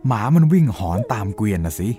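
A man voicing a rough-talking village man who tells of a ghostly encounter with blunt, coarse speech. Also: fairly low pitch, fast talker, music in the background. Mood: uneasy recounting. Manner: lively storytelling, rising and falling. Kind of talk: Thai audio-drama storytelling.

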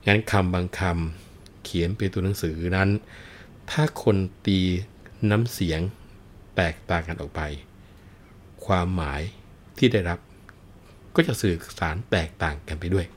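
A middle-aged man telling and explaining a classic tale, unhurried and addressing his listeners politely. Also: deep voice, slight background noise. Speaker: storyteller. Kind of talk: explanatory storytelling talk.

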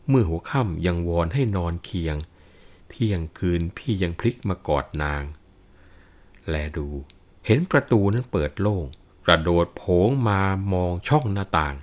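A man reciting classical narrative verse in a melodic, drawn-out chant, stopping now and then to explain the story in plain speech. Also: sits low, darkish tone. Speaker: reciter and teacher of classical poetry.

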